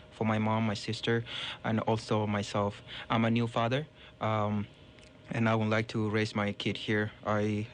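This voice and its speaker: A young man from Ethiopia, speaking halting with many fillers as a council candidate on a radio forum. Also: on the low side, a little hiss or hum.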